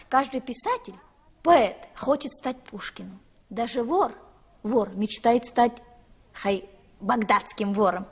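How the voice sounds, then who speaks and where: An actress playing a talkative, fussy young Gypsy mother in a 1960s Soviet radio play, exclamatory and sing-song, full of repeated endearments. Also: fairly high pitch.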